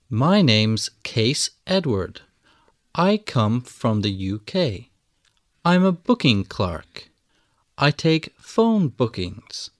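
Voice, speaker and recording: A man reads out an English course recording in slow, deliberate phrases, with a lively rise and fall to his pitch. The sound is dry and close, like a small studio booth. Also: dry recording. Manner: slow, clearly enunciated reading. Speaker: textbook audio reader. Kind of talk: scripted language-lesson recording.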